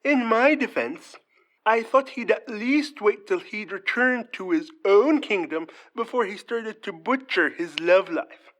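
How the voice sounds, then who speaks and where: Audio comedy schemer, female actor: polished, smug royal fixer, unhurried delivery with lively intonation. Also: mid-range voice, lightly acted, low-quality recording. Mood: self-justifying, smooth. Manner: polished, self-satisfied, formal. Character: smooth, scheming fixer who cleans up royal scandals. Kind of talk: audio fiction comedy acting.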